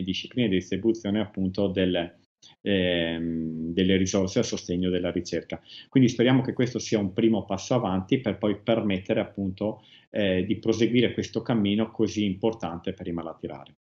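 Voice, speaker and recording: A man speaking as an expert guest in a TV interview, measured and hesitant, with frequent restarts. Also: sits low, a little mellow, lo-fi sound. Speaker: guest expert on rare diseases. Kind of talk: TV interview answers.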